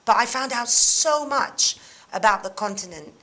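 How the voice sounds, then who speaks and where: Woman, interview guest, higher-than-average voice; animated chatter, lots of laughs and ums. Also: moderate pace. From England and Greece. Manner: animated, laughs often, many fillers. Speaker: interview guest, mentoring manager. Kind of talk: casual chat.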